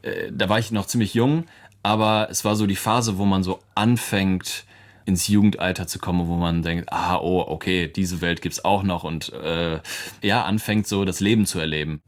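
A man's voice: sits low, steady tone, moderate pace. A young man in his twenties, a musician guest, answering interview questions in a casual, chatty way with frequent laughs. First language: English. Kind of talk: relaxed radio interview answers.

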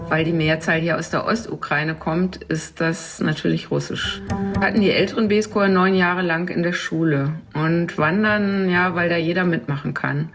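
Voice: mid-range voice, creaky. Knarzige, sachliche Stimme über Gitarrenmusik. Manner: plain, matter-of-fact explaining. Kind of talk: calm spoken explanation.

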